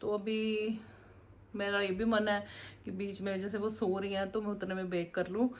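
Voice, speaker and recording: A woman's voice: medium pitch, little pitch movement, moderate pace. A woman, chatting casually and rambling as she cooks in her home kitchen, laughing often. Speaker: vlogger, mother. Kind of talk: casual home vlog chat.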